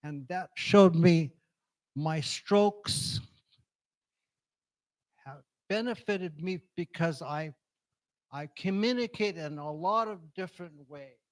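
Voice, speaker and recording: A man with a low voice telling a story at a church gathering, talking slowly and haltingly, searching for words after strokes. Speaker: congregation member sharing a story. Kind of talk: halting personal testimony. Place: church hall. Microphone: handheld microphone.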